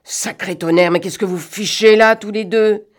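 Woman doing a fiery gentleman thief, commanding, sharp scolding bursts, storybook reading. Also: mid-range voice, steady tone, normal speed, natural voice. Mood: exasperated. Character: commanding gentleman burglar, man, fiery and exasperated.

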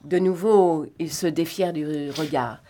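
Woman narrator for an audiobook, expressive and dramatic, low-pitched voice. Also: measured pace, slight background noise. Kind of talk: scripted narration of a novel.

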